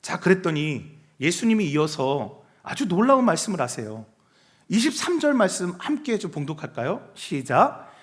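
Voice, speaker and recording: A man's voice: high-pitched, sing-song, moderate pace. A male junior pastor preaching a sermon, emphatic and often putting questions to the congregation.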